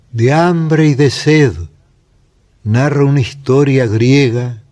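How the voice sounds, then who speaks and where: The man's tone is dark and mellow. He talks at a very slow pace with ordinary pitch variation. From Argentina. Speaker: writer and poet. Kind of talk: poetry reading. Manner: slow, measured.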